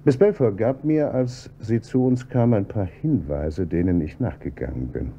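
An actor playing a calm, probing police inspector who heads homicide in a radio drama, with a dry, measured delivery. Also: male voice, lowish voice, vocal fry. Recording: dull, slightly noisy audio with hum.

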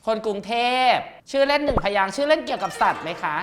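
A woman's voice: a little high, expressive, fast talker, noisy background. Brash teasing Thai woman host. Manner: brash, teasing, swears freely, shrieks with laughter. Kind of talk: comedic guessing-game chat.

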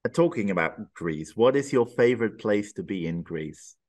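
A man with a slightly low voice hosts an interview over a video call from a small indoor room. He asks his questions in a friendly, chatty way. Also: expressive, normal speed, a little mellow.

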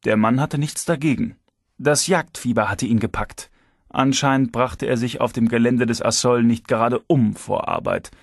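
A man narrating an audiobook in the first person, reading in an even, measured way. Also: medium pitch, creaky, no room sound, studio quality.

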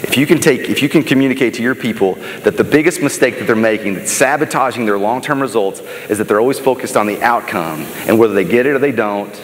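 A middle-aged American man speaks fast at medium pitch with few pauses, telling stories in a motivational keynote. On a large auditorium stage indoors, his delivery is animated, emphatic, dramatic and conversational, while the echoey hall adds noticeable background noise.

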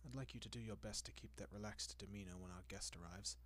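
A man playing a doting, possessive centuries-old vampire in an intimate roleplay audio, speaking in a genteel, coaxing manner with lingering pauses. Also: fairly low pitch, fairly bright tone, lightly acted. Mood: doting, pleased.

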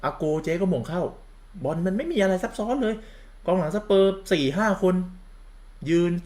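A man's voice: high voice, normal speed, darkish tone. A campy man gives a sarcastic, crude-mouthed football commentary rant, calling himself big sister. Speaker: football vlogger.

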